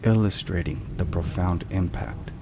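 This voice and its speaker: A man giving a scripted Christian devotional narration in a hushed, measured ASMR style, speaking deliberately. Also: deep voice. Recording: steady rain and thunder noise. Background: rain and thunderstorm sounds.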